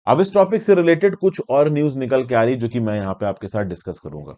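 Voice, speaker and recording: This current affairs educator talks fast in a warm, medium-pitched voice with lively intonation, and the sound is lo-fi. He has an Indian accent and explains topics to exam students in a conversational, teacherly lecture, dropping in English terms and asking questions along the way.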